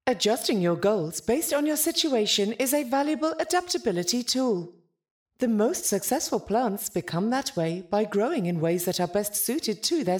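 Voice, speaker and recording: A literal-minded artificial companion in an audio drama. The voice sits a little high and stays calm and deadpan, with measured, formal phrasing. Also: female voice.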